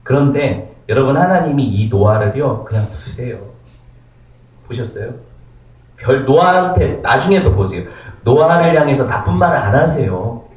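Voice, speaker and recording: Animated male pastor preaching in a roomy church. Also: medium pitch, moderate pace. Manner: animated, asks the congregation many rhetorical questions. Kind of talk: sermon. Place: church sanctuary. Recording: roomy, distant, dull church recording.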